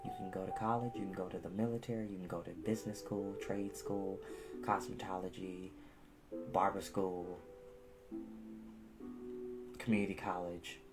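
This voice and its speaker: A woman narrating a storybook expressively as a storytime reader, with casual asides to listeners. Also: a bass voice.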